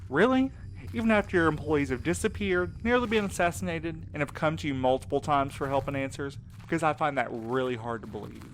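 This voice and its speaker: A man's voice: on the high side, animated, brisk. Sarcastic man acting a courier over noisy ambience. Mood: bitter, accusing. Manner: sarcastic, colloquial, needling. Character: wry, exasperated male supernatural mail courier, sarcastic and wary. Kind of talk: audio drama dialogue.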